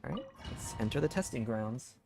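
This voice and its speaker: Man, medium pitch, game streamer, casual live commentary, faint music behind. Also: expressive, moderate pace, darkish tone.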